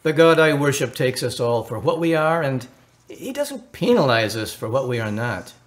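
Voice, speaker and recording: Man playing an earnest, gentle Catholic priest. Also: mid-range voice, big pitch swings, normal speed, natural voice. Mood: earnest, pastoral. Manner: hesitant, formal, consoling pastoral talk. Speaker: actor in a radio drama. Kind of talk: radio drama dialogue.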